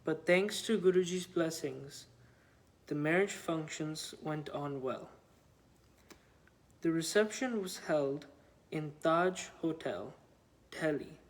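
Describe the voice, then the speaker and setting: A man reads a devotional testimony aloud at a very slow pace. His voice sits a little high for a man, and his phrasing is measured and somewhat halting. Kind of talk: slow read-aloud of a written devotional account.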